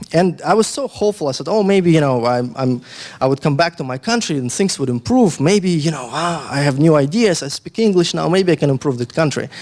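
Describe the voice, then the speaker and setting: With lively intonation and a fairly high pitch, a man talks at a fairly quick pace amid noticeable background noise. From Kyrgyzstan (former Soviet Union). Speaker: university lecturer. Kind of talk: conference talk. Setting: lecture hall with audience.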